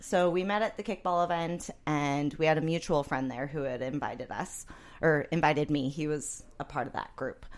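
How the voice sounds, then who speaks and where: A woman with a very deep, low-pitched voice, ordinary pitch variation and a Californian accent. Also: moderate pace. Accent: Californian American. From Southern California, Orange County. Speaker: special education teacher and supporters' group drummer. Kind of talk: casual chat. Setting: studio.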